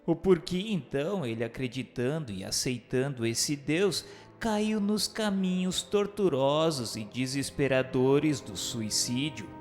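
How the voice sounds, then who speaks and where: Guy actor narrating as a reflective novelist, formal n measured, big reverb, bit of music under it. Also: mid-range voice, animated, close to an everyday voice. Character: male first-person narrator, a reflective doomed Portuguese novelist. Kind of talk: dramatised audiobook narration for radio drama. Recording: long reverb, faint music behind.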